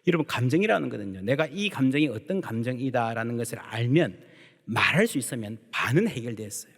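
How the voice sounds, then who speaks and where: A male pastor preaching a sermon in a church sanctuary, lively and emphatic, acting out the voices he quotes. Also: medium pitch, a little fast, breathy edge. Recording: long church hall reverb.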